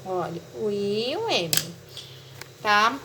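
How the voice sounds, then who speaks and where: A woman's voice: mid-range voice, very animated, takes it slowly, background noise. A woman teaching a remote class, explaining step by step and checking understanding with "tá?". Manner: patient, repeats "tá?" to check understanding.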